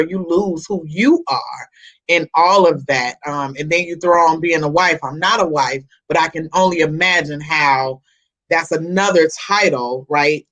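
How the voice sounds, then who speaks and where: A woman in her forties from Chicago hosting a talk show, chatty and lively, laughing often and repeating herself. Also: low voice. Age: 40s. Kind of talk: casual interview chat.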